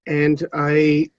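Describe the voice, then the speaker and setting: A man with a fairly high voice, a little raspy from a passing cold, leads a motivational team training. He talks haltingly, full of ums and restarts. The recording is dry and a bit dull. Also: a little mellow, dry recording. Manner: halting, many fillers and restarts. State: getting over a cold, slightly raspy.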